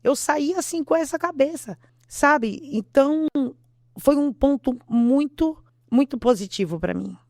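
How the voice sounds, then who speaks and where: Mulher brasileira dando testemunho emocionado. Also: female voice, high voice, measured pace, a little mellow, dry recording, studio quality. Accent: Brazilian Portuguese. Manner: earnest, repeats herself, acts out quotes. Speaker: interview guest. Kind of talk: emotional testimony.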